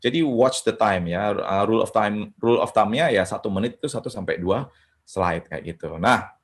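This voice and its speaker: A man's voice: fairly low pitch, normal speed. A man mentoring at an online hackathon, giving casual presentation advice. He keeps adding "ya kan" and "gitu" and slips English phrases into his sentences. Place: home setup for an online session. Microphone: video call.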